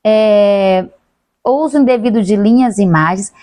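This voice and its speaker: A woman teacher with a Brazilian accent giving a class lecture, who talks fast, swallows some words and corrects herself. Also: medium pitch, dark tone, dry recording.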